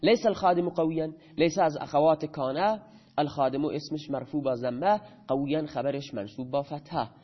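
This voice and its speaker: A man's voice: fairly high pitch, slightly rough, dull audio. A man teaching grammar in a lecture, who asks his students questions and then answers them himself.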